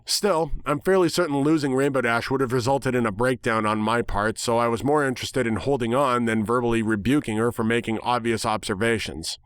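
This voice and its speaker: A man's voice: medium pitch, a little fast, few pauses, clear, resonant tone, dry recording. A man giving a dramatic scripted reading of a story as its narrator.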